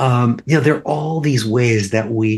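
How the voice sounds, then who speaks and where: A man is speaking. His voice is somewhat breathy. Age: 70s. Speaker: professor and researcher. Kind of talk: interview.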